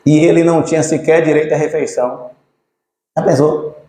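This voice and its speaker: A man telling a story in a sermon, colloquial and lively, addressing the congregation by name. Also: on the high side, fairly quick. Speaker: preacher. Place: church. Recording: echoey church hall.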